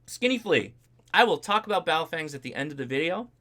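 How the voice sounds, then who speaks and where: Here a man with a fairly high, bright, forceful voice and big pitch swings speaks a little fast. As host of a ham radio livestream, he gives a chatty, informal tutorial, explaining every step hands-on. He checks in often with "right?" and "okay?"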